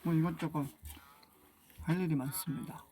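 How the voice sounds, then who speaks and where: A young man casually hosting a livestream, relaxed as he explains how he made a jingle. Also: on the high side, normal speed. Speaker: livestream host.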